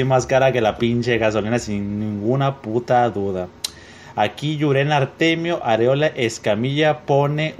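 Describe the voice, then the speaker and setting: A man's voice: mid-range voice, slight background noise. A young man with a Mexican accent, casually reading and mocking social media comments aloud, swearing freely and joking. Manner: profane, joking, reads comments aloud with laughs. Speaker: gaming youtuber reading comments.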